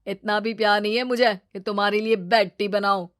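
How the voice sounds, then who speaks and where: A woman's voice: mid-range voice, fairly even intonation, brisk, no echo, studio quality, lightly acted. Woman voicing a teasing young cartoon guy. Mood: mocking. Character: young man, calm and teasing. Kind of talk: cartoon story dub.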